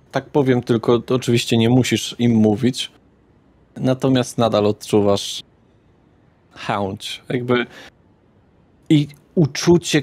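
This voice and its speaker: A man narrating a tabletop roleplaying game as game master, slowly and deliberately, with suggestive phrasing. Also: medium pitch, darkish tone, no room sound.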